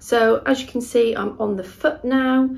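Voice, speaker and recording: A woman with a British accent. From UK. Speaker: knitting and crochet podcaster; crochet podcaster. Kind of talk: casual chat. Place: home room. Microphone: camera far.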